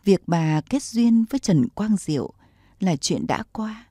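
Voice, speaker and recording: A woman's voice: medium pitch, big pitch swings, measured pace, dark tone, dry recording, studio quality. A woman reading the part of a scheming, ambitious male court official in a wheedling, smug tone, as in an audiobook.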